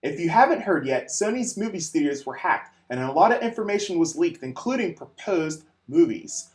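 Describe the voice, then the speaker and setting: A man hosting a scripted weekly video game news show, speaking in an emphatic, informal, hyped-up way with dramatic pauses. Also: fairly high pitch, sing-song.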